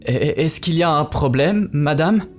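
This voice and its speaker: A young male mechanic acted out in a sci-fi visual novel drama. He is anxious and easily flustered, stumbling and hesitating over his words. Music is clearly audible behind him. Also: mid-range voice, lively intonation, a little slow, close to an everyday voice. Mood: nervous, evasive. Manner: stammering, hesitant. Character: nervous young male spaceship mechanic, easily panicked, fumbling.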